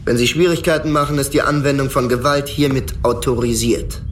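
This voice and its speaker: Actor as a cold commander amid background noise. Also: male voice, medium pitch, brisk, close to an everyday voice. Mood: cold, commanding. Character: cold, ruthless corporate commander giving orders. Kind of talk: German audio drama acting.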